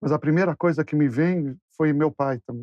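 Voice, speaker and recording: A man speaks at a fairly high pitch with a dark, mellow tone. The sound is dry and close with no echo, against a quiet background. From Brazil. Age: 60s. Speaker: company founder, engineer. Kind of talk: interview.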